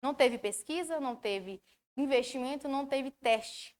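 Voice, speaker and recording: A woman study mentor with a Brazilian Portuguese accent lectures online at a normal speed, her voice sitting high. She asks questions of those watching and explains in an animated manner.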